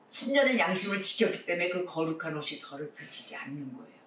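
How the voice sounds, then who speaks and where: A man's voice: a little high, very animated, quick pace, a bit bright, echoey room, recorded from a distance, slight background noise. A man preaching a sermon as pastor, earnestly exhorting his congregation.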